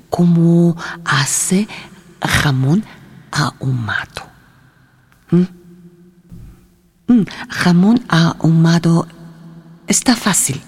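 An actress playing an earnest Mennonite farm wife in a radio drama, with a German accent and halting, broken phrasing. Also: female voice, sits low, a little mellow, full character voice. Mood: earnest, plain. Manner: halting, broken phrasing with dropped articles and hums.

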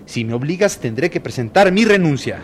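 A man reading an audiobook aloud, expressive and dramatic, voicing a first-person narrator. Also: on the high side, a little fast, breathy edge. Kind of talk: audiobook reading with character voices.

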